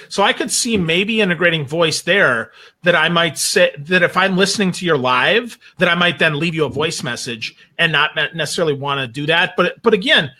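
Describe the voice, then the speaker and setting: A man's voice: sits high, sharp tone. A man giving blunt, emphatic opinions as a guest in a casual panel chat, often checking in with rhetorical questions. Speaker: guest panelist, sales trainer and marketer.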